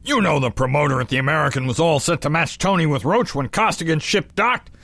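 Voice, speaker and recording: An actor playing a bullying small-time fight fixer, sneering and accusing in slangy hard-boiled radio-play style. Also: male voice, fairly high pitch, a little fast, creaky, a bit bright, no room sound.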